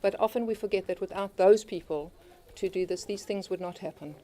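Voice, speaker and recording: Mellow woman giving thanks outdoors. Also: medium pitch, fairly quick. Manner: grateful, loose, repeats okay. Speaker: organizer thanking helpers. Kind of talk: outdoor opening speech.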